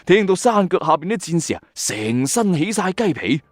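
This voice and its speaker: Animated Hong Kong Cantonese male storyteller. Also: sits high, normal speed, dry recording, clean studio sound, faint music behind. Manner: suspenseful, colloquial. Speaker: horror story narrator. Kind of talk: dramatic scripted storytelling.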